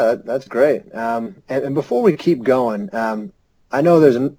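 Mellow-voiced man hosting a podcast. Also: medium pitch, rough recording. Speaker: podcast host. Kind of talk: casual interview podcast. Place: home, wrapped in a fleece blanket. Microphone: home podcast mic under a heavy blanket.

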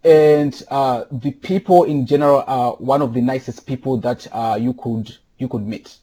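Husky-voiced man from Zimbabwe. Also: mid-range voice, steady tone, warm tone. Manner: thoughtful, with many filler pauses. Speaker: podcast guest. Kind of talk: casual interview answers. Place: home during quarantine.

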